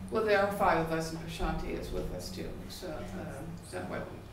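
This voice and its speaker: Quick woman moderator, distant and echoey. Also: sits low, big pitch swings. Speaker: panel moderator. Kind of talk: press conference remarks. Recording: distant, echoey, noisy room mic.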